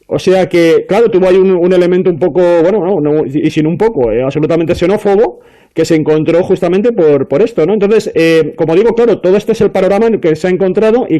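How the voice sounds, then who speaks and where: Panelist, man, high voice, mellow tone, chatty and explanatory. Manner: explanatory, many fillers and restarts. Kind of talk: casual panel discussion.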